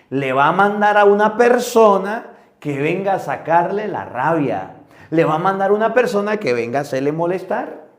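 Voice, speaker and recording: Echoey preaching priest. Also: male voice, a little high. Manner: animated preaching, acting out quoted voices. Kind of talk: sermon on a Bible reading. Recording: echoey room.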